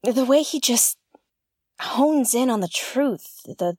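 A woman's voice: a little high, lively intonation, slow pace, darkish tone, dry recording, clean studio sound. A woman playing an earnest, intense investigator who hosts a conspiracy podcast in an audio drama. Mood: smitten, admiring. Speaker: podcast host. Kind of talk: scripted audio drama narration.

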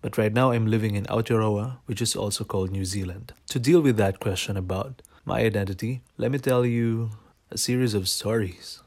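Guest voice: man from the Philippines, low-pitched, reflective personal storytelling. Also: normal speed, darkish tone. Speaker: podcast guest.

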